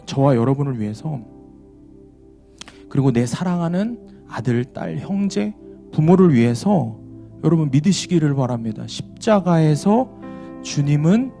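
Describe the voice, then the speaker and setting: A male pastor telling a story in a sermon at church, swinging between loud exclaims and hushed low tones.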